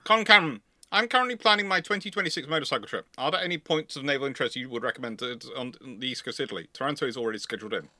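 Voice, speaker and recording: A man's voice: medium pitch, rapid-fire, hardly any pauses, bright, forceful tone, no room sound. A man hosting a live unscripted Q&A, explaining in a rambling way and often repeating and restarting his phrases. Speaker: host of a live naval history Q&A.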